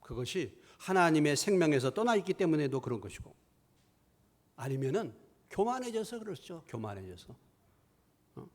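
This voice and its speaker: Middle-aged male pastor, fairly high voice, preaching with rhetorical questions, hushed asides and loud emphatic peaks. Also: sing-song, normal speed. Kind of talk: sermon. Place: church sanctuary.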